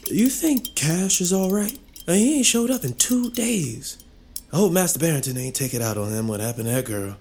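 An anxious young Southern apprentice. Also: male voice, fairly high pitch, fairly quick, husky. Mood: worried. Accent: American Southern. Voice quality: lively, anxious, Southern vernacular. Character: enslaved teenage apprentice, earnest and worried. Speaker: actor in audio drama.

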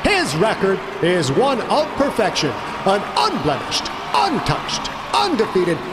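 A man voicing a male ring announcer who stretches and shouts his words to hype a crowd. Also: sits high, wildly swooping pitch, a little slow, heavy background noise, pitched above the performer's own voice, full character voice. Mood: booming. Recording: roaring crowd behind.

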